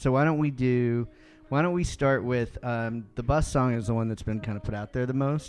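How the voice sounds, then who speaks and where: This man has a normal speaking voice with an American accent, medium pitch and ordinary pitch variation. He talks at a moderate pace. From Georgia, US South. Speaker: music podcast host. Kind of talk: casual chat.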